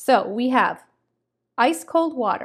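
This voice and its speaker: The background stays quiet. A woman's voice carries ordinary pitch variation. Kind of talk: tutorial. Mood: friendly, relaxed. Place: kitchen.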